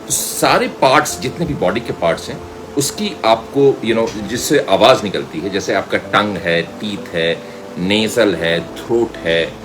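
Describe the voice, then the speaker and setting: Animated middle-aged Indian man lecturing. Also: fairly low pitch, noisy background. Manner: animated storyteller, acts out dialogue, mixes in English phrases. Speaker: media school director and voice trainer. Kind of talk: informal lecture with personal anecdotes.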